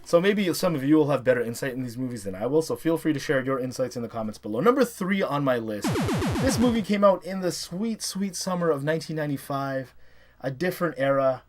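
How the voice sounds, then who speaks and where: A man in his thirties hosting a casual, chatty video countdown, talking in an animated, emphatic way with playful hype. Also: fairly high pitch, brisk, noisy background. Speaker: host of a top three video series.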